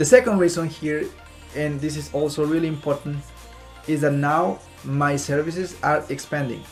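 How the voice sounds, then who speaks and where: With music in the background, a man with a fairly high pitch and an upbeat tone speaks at a moderate pace, his pitch varying in an ordinary way. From Peru. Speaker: Power BI consultant and YouTube tutor. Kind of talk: casual talk to camera. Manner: friendly, upbeat.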